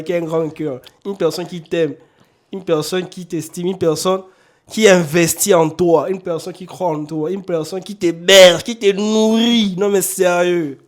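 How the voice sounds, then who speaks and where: Man, head cold, live podcast host, slightly high voice, jokey, loose and chatty. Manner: repeats catchphrase, jokey asides. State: has a cold. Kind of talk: casual live podcast chat. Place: studio. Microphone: podcast microphone.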